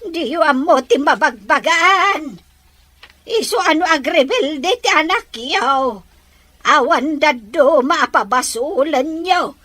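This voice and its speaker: A woman acting as an indignant older female relative in an audio drama, scolding emphatically with drawn-out words. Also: sits high, animated, a bit bright, dry recording, exaggerated voice.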